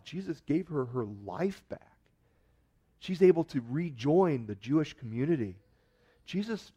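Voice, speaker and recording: Man, sermon, pastor, expressive storyteller, emphatic swells, middle pitch. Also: husky.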